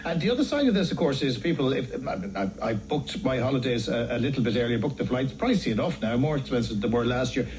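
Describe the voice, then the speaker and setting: A man's voice: mid-range voice, expressive, quick pace, hardly any pauses, noisy background. An Irish man presenting a radio breakfast show, conducting a live news interview.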